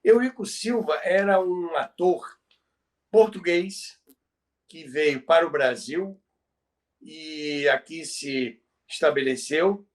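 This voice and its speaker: Older Brazilian man, higher-pitched, slightly distant. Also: slow. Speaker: podcast host. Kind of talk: reminiscing talk on radio history. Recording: somewhat distant from the mic.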